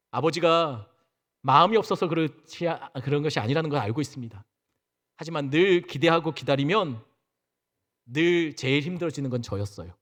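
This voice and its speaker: A man's voice: medium pitch, a bit bright. A male senior pastor preaching a Sunday sermon in a church sanctuary, talking conversationally and asking the congregation questions. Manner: conversational, asks the congregation questions and acts out quotes.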